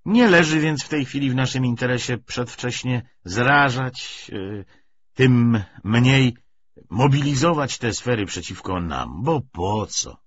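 A man voicing a sly, pompous Bolshevik official giving a speech in an audiobook, with deliberate pauses and rhetorical swells. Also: medium pitch, animated, husky, lo-fi sound. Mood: measured, sly.

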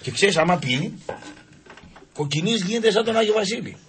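Animated storytelling man, fairly high voice. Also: slight background noise. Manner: animated, acts out voices in anecdotes. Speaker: radio show guest storyteller. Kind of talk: casual comic storytelling. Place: radio studio.

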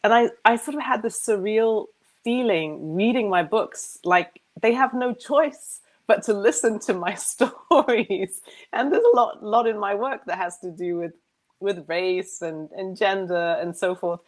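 A middle-aged woman with a low voice, interviewing an author on a video call through wired earbuds from a room with white walls. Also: unhurried. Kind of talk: casual video-call conversation.

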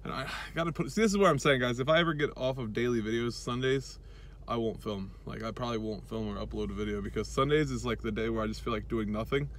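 A man's voice: mid-range voice, fast, a bit bright. A man in his thirties rambling casually to a camera close by while sitting in a car. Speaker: vlogger. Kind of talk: casual rambling vlog chat. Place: inside a car. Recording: car and street noise behind voice.

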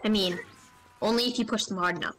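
A woman's voice: mid-range voice, quick pace, fairly bright tone. Mock-earnest woman on noisy game voice chat. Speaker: online game player. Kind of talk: casual in-game voice chat, playful mock therapy. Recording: game voice chat with some noise.

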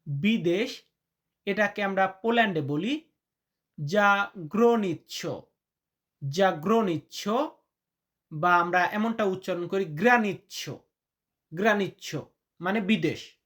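A man teaching vocabulary in a lesson, repeating each word slowly and deliberately, chatty and calling his listeners brother. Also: high voice, a bit bright. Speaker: language teacher.

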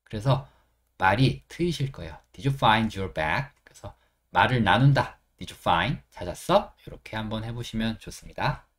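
A middle-aged man with a Korean accent, teaching an English lesson and repeating phrases slowly, step by step. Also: on the low side, animated.

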